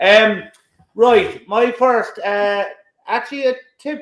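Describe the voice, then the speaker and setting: A man with an Irish accent and an extremely high pitch. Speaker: computer repair technician. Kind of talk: live show talk.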